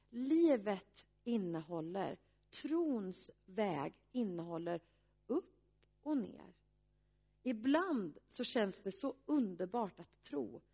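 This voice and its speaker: A woman pastor giving a sermon, speaking earnestly and reflectively with pauses. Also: medium pitch, a little mellow.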